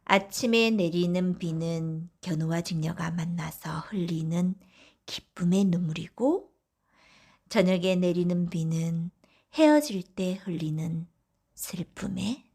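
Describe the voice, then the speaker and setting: A woman narrating folk tales for bedtime in a soft, often whispery, gentle voice. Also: fairly low pitch, slow, gravelly, slightly rough. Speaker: audiobook narrator.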